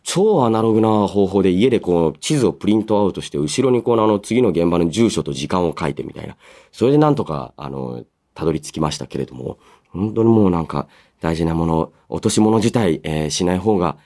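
Lively, expressive male radio host. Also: deep voice, fairly quick. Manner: polite but casual, musing to himself. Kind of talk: solo radio talk, reading listener mail with chatty asides.

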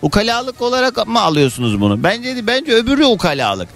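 A man hosting a morning radio show, telling an indignant story in an animated, chatty way full of sound words. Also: sits high, brisk, creaky, faint music behind. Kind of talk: casual monologue.

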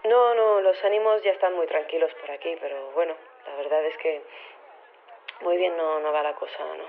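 A woman's voice: low-pitched, slight background noise. An actress playing an earnest, hesitant woman reporting by phone in an audio drama, with a Castilian Spanish accent. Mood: downcast, hesitant. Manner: halting, earnest, unsure. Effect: phone line. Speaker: correspondent at a vote, by phone. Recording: tinny narrow phone line.

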